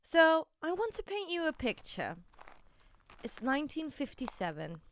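A woman's voice: sits high, wildly swooping pitch, measured pace, slight background noise. A woman hosting a podcast, telling a scripted story in a conversational way and speaking directly to her listeners. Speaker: podcast host. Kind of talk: scripted storytelling narration with personal asides.

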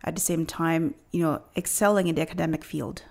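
Woman host, lowish voice, rambling questions. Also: steady tone, fairly quick, gravelly. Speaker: interviewer, host. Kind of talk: interview questions.

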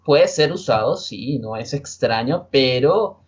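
A man in his twenties from Venezuela with a Venezuelan accent, a Spanish teacher being interviewed on a podcast, explaining in a relaxed way. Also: mid-range voice, takes it slowly, husky, lo-fi sound. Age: 20s.

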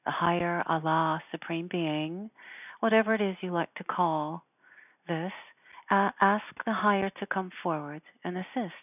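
A woman speaking in a measured, deliberate way, giving spiritual instruction and guided meditation. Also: on the low side, no echo. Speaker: spiritual teacher guiding listeners. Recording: narrow phone-like sound.

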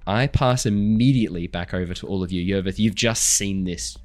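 Casual hoarse guy with a deep voice, dungeon master reading a story recap, a bit of soft music in the back. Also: moderate pace. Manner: chatty, apologetic, laughing between remarks. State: hoarse after illness. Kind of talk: running a tabletop game and reading a recap.

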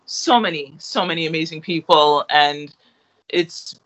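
High, bright-voiced young man, chatty. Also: measured pace, rough recording. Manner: rambling, lots of fillers and restarts, laughs easily. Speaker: interviewee, artist. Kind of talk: casual interview chat.

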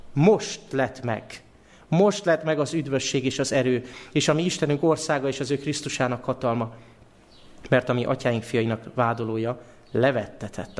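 A man preaching a sermon in a church, animated and putting questions to the congregation. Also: mid-range voice, creaky.

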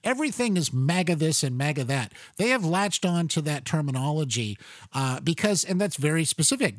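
Casual, sarcastic male radio host with a lively pitch and a fairly high voice. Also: dry recording, studio quality. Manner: conversational, sarcastic, frequent fillers and restarts. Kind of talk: political talk show monologue.

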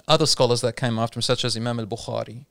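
Male Islamic speaker in a relaxed chat, explains patiently with anecdotes, gravelly and resonant, dry recording. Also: medium pitch, rapid-fire, no echo. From Australia. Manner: explains patiently, tells anecdotes, mixes in Arabic terms. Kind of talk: casual religious discussion.

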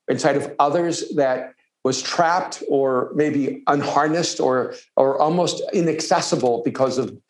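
A man from El Salvador whose first language is Spanish, a pastor speaking as a podcast guest, reflective and halting, with many restarts. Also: medium pitch, roomy sound, rough recording. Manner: reflective, with frequent hesitations and restarts. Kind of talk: conversational interview.

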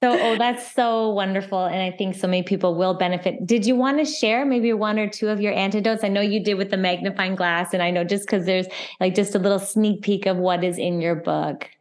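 A woman's voice: mid-range voice, fairly even intonation, brisk. A woman hosting an interview, effusive and full of praise for her guest. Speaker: interview host. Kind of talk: interview chat.

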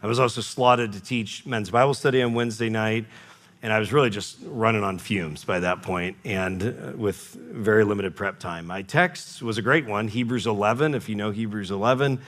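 A man's voice: fairly low pitch, moderate pace, a bit bright. A man preaching a sermon to his congregation in an earnest manner, often restarting and correcting himself mid-sentence. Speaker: pastor.

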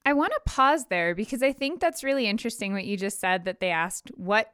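A woman's voice: mid-range voice, animated, fairly quick, a bit bright, smooth, dry recording, clean studio sound. A woman interviewing a guest, asking engaged, reflective follow-up questions. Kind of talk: conversational interview.

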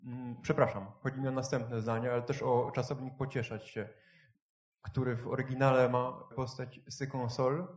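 A man moderating a panel discussion, speaking in a measured, analytical way. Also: medium pitch, little pitch movement. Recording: roomy echo.

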